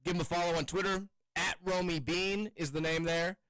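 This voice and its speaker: Hosting a sports radio show from the studio, an adult man with kids chats loosely and rambles, restarting often. His voice sits high, with a steady, clear, resonant, slightly bright tone, and he talks fairly quickly. The studio microphone picks up no echo.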